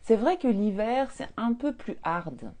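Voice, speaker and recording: Chatty laughing woman, mellow voice. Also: on the high side, unhurried. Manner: chatty, laughs often, animated storytelling. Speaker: holistic coach. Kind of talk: casual live-stream chat.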